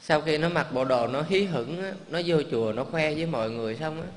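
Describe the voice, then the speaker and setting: A Buddhist monk delivers a sermon, telling a moving story in a conversational, emotional style full of rhetorical questions. His voice is fairly high and a little fast, recorded with long reverb and a faint hum in the background.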